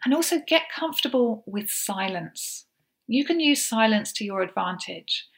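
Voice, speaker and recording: Woman giving calm podcast advice. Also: fairly high pitch, normal speed, vocal fry. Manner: practical, explains step by step with gentle fillers. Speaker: podcast host. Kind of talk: solo coaching podcast.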